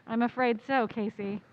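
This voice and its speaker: A woman's voice: on the high side, dull audio. A woman playing a teasing newspaper colleague with dry, mock-formal banter, in old-time radio style.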